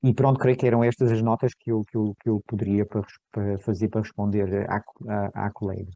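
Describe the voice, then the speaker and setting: A man's voice: on the low side, little pitch movement, quick pace, vocal fry, dark tone, no room sound, highs cut off. A middle-aged man, a researcher, giving an academic seminar talk in a hesitant way, restarting and repeating small words often. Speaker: researcher presenting his study.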